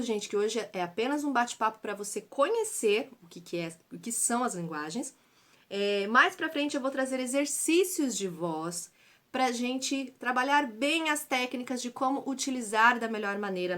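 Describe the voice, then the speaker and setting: A woman's voice: a little high, expressive, normal speed, fairly bright tone. A woman from Brazil giving a chatty theater lesson, explaining with many fillers and tag questions. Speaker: theater teacher.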